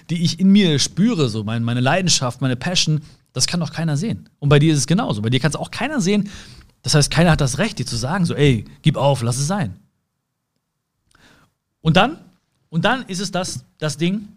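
A man with a slightly raised voice delivers an earnest motivational monologue straight to the listener. He repeats phrases for weight, drawing some words out slowly and hurrying through side remarks. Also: fairly high pitch, animated. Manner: earnest, swings between soft slow words and quick asides. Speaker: motivational speaker.

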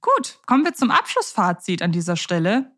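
A woman's voice: mid-range voice, wildly swooping pitch, moderate pace, fairly bright tone. A woman co-hosting a podcast, chatting casually and thinking aloud with fillers. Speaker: podcast co-host.

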